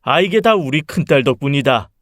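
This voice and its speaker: A man voicing a boastful, gruff older father in a scripted story reading. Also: on the high side, expressive, brisk, a bit bright, no echo, clean studio sound.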